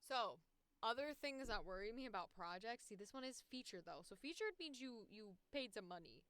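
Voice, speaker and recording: Smooth-voiced woman chatting on a livestream. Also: fairly high pitch, lively intonation, a little fast, a bit bright, dry recording. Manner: thinks aloud, reads listings aloud. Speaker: voice actor hosting a livestream. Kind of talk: casual livestream chat, reviewing audition listings.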